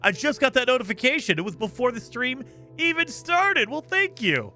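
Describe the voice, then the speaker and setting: Over soft background music, a very high male voice swings widely in pitch, pushed and bright at a normal pace. He's live-streaming a game in casual, upbeat fashion, explaining the rules and calling out viewers by name in thanks, his throat slightly scratchy after days on stream.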